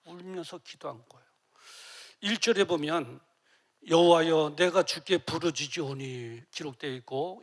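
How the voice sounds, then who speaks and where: Middle-aged male pastor preaching, goes soft then loud and tearful, raspy fry in the voice. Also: a little high. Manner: emotional, swings from soft to loud; acts out tearful prayers. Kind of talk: sermon.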